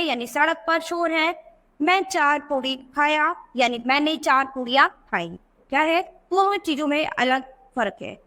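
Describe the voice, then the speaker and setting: A woman's voice: high-pitched, fairly bright tone. A woman teacher explaining spelling corrections in a classroom lesson, asking questions and answering them herself. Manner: slow deliberate word-by-word examples. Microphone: voice-over for a video book.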